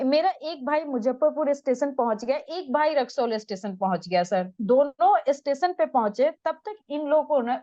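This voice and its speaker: High-voiced young woman, urgent testimony. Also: dark tone, no room sound, dull audio. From Bihar, India. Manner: urgent, distressed retelling, addresses the interviewer as sir. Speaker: interviewee. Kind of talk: emotional testimony in an interview.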